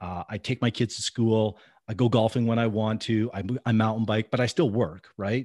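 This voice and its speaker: With a Canadian accent, a man speaks in a plain, everyday voice at a medium pitch and moderate pace, with fairly even intonation against a quiet background. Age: 40s. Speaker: commercial real estate developer and investor. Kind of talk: interview.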